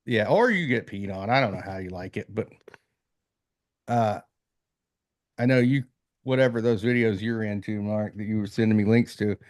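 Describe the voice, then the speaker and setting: A man's voice: on the low side, normal speed, long pauses. A man co-hosting a podcast, joking loosely in crude casual banter with lots of fillers. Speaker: podcast co-host.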